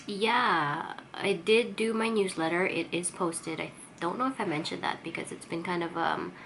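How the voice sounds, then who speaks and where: Congested woman chatting, slightly low voice. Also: moderate pace, gravelly, a bit bright, slight background noise. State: congested and sniffly from a cold. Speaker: vlogger and artist. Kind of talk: casual chatty vlog update.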